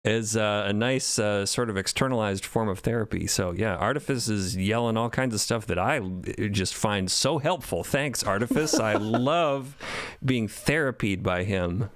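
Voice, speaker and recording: A man's voice: on the low side, moderate pace, few pauses, no echo. A man, one of the show's creators, talking thoughtfully in a casual roundtable discussion and laughing easily. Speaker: podcast co-creator.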